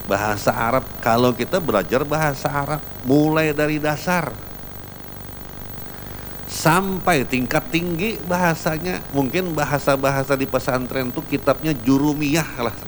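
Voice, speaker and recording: A man's voice: on the high side, measured pace, background noise. A man giving a religious lecture, emphatic and repetitive as he tells everyday anecdotes. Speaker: preacher.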